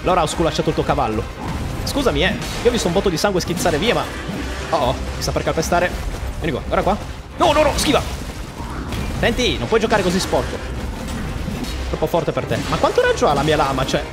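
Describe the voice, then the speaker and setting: Male streamer, highish and very animated, yells and brags through gameplay commentary. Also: quick pace. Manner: excitable, shouting at the boss, boastful joking. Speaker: gaming streamer. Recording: loud game music behind.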